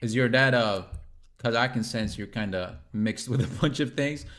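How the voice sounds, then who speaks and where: A man's voice: mid-range voice, normal speed, a bit bright. A young man hosting a casual interview, laid-back and joking with slangy asides. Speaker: podcast host.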